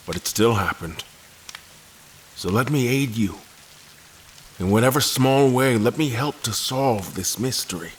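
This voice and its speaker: A deep male voice tells a captive's story in the first person. He is brooding and calculating, choosing formal words with deliberate care. Faint hiss and rain sit behind this audio drama narration. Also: fairly bright tone, low-quality recording.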